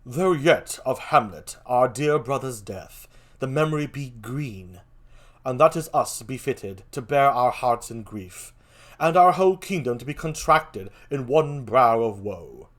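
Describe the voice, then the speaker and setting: A solemn, stately king of stage tragedy, acted out by a man reading aloud. He declaims in measured phrases, his mid-pitched voice rising and swelling with very lively intonation. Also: close to an everyday voice. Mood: solemn, regal. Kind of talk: theatrical Shakespearean reading.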